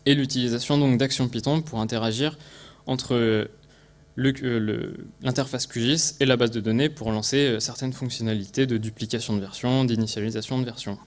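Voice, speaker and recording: A man with a French accent from France speaks as a conference presenter explaining a technical project. His voice sits at a medium pitch. The delivery is halting, with phrases restarted and small words repeated as he goes. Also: fairly even intonation.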